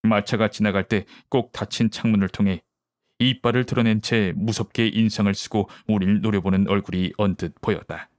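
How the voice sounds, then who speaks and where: A man with a fairly low voice narrates a mystery audiobook. His reading is measured and literary, recorded at home with a very dry, close sound. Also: fairly even intonation, no room sound. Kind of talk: scripted mystery story narration.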